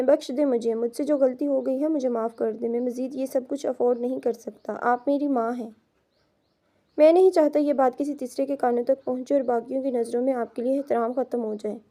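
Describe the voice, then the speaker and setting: A woman's voice: high-pitched, mellow, natural voice. A woman voicing a stern grown son warning his mother. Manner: stern, pleading.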